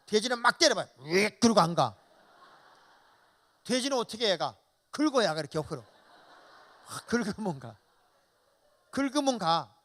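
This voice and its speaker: Male pastor, fifties, revival preacher in a church; high-pitched, swooping delivery, folksy and animated. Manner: animated, folksy, acts out quoted dialogue. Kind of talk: revival sermon.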